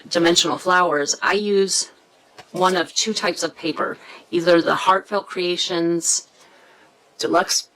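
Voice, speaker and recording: A woman hosting a casual craft tutorial, chatty and hesitant, often pausing to search for words. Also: lowish voice, a bit bright, rough recording. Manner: chatty, self-deprecating about pronunciation.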